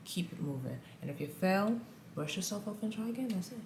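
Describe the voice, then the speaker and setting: A woman in her thirties with a deep contralto voice, talking candidly and animatedly to camera in a small room. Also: brisk, creaky. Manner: candid, animated, says guys a lot. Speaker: vlogger. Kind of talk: casual motivational talk to camera. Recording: echoey room, faint ambient noise.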